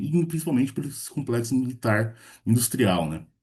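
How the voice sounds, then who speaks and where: Somewhat breathy and fairly quick, this man's medium-pitched voice has a dark, mellow tone and ordinary pitch variation. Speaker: academic researcher presenting a paper. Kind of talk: conference presentation.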